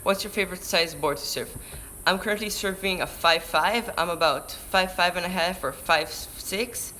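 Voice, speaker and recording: Teen guy w hebrew accent, bright voice, chatty live q&a by a window, faint room hum. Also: high-pitched, normal speed, low-quality recording. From Israel. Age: teens. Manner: chatty, restarts mid-word, answers questions read aloud. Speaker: surfer vlogger. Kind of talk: live stream Q&A reading chat questions. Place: indoors by a window. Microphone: camera-mounted shotgun mic.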